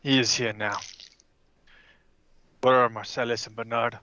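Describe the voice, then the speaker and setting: A man playing a tabletop game, speaking in character with measured, deliberate phrasing. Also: medium pitch, level tone, bright, forceful tone, dull audio. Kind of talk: in-character roleplay mixed with casual play.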